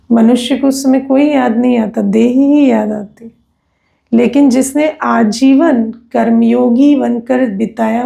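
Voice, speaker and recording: Slow, gravelly-voiced woman teacher. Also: fairly high pitch, dark tone. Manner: conversational, tag questions, personal anecdotes. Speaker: spiritual teacher. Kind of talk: spiritual discourse.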